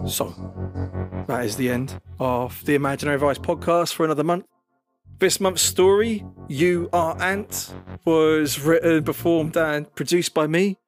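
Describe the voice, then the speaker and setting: A British man hosting his podcast outro in a chatty, self-deprecating way, his voice hoarse and raspy. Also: fairly high pitch. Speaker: podcast host. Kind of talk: casual outro talk.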